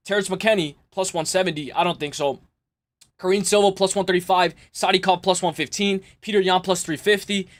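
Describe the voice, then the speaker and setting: A man hosting a live stream, chatting loosely with his viewers and rambling through quick asides. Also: sits high. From Spain. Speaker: livestream host. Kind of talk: casual live stream chat.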